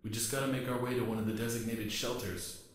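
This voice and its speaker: A man voicing a monster that mimics lost male researchers, calling out slowly and nervously into the dark. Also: mid-range voice, fairly even intonation, close to an everyday voice. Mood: coaxing. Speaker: game creature voice. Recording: echoey long-reverb game audio.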